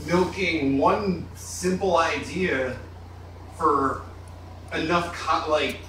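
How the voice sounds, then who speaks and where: A man's voice: a little high, very slow, fairly bright tone, a little hiss or hum. A man chatting on a podcast as a guest, giving firm opinions on how comedy should be done. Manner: opinionated, explaining. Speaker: podcast co-guest, improv comic. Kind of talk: casual chat. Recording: distant, very echoey room mic.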